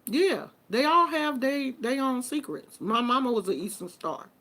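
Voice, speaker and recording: A woman's voice: high voice, animated, normal speed, fairly bright tone, rough recording. A woman, hosting a casual, chatty talk with viewers in an informal manner. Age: 50s. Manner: chatty and informal, with colloquial phrasing. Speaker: host. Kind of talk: casual live chat with viewers.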